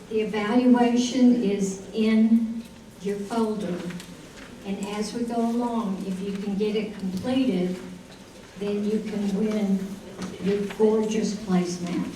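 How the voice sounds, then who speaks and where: A woman introducing a guest speaker and giving announcements to an audience, upbeat and chatty, speaking straight to the room. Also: medium pitch. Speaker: event organizer introducing the speaker. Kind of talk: welcoming announcements. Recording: echoey room, distant mic, faint noise.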